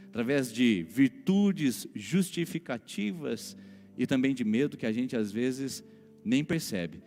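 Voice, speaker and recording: A man's voice: mid-range voice, darkish tone. A man with a Brazilian Portuguese accent, a pastor preaching an emphatic sermon and often addressing the congregation directly. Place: church hall. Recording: church hall reverb, faint music.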